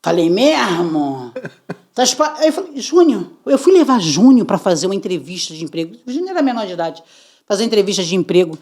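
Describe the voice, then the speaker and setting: A middle-aged woman from Brazil, a podcast guest telling her testimony with lively acted-out voices and frequent laughter. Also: medium pitch, racing. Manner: lively, acts out quoted voices, laughs often. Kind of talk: animated testimony storytelling.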